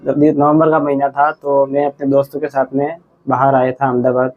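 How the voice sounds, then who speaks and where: A man in his twenties telling his own story as a patient in an interview. He talks in a halting, rambling way and often restarts his sentences. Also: mid-range voice, flat delivery, narrow, tinny audio. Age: 20s. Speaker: patient giving a testimonial.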